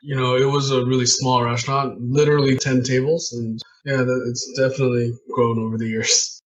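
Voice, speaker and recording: A man's voice: medium pitch, flat delivery, fairly quick, highs cut off, a little hiss or hum. A man from Southern California in his thirties, answering interview questions plainly as a business owner. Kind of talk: casual interview talk.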